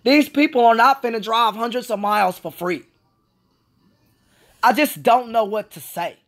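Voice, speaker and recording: A woman's voice: on the high side, normal speed, fairly bright tone, faint music behind. A woman, a Special Olympics athlete, venting in a vlog monologue, frustrated and profane, repeating herself. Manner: frustrated, repetitive, profane ranting.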